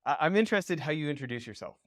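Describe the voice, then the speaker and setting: A man's voice: fairly high pitch, animated, very fast, dry recording, studio quality. A man from Western Canada hosting an interview, asking rambling questions full of restarts and fillers. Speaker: podcast host. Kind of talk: casual interview.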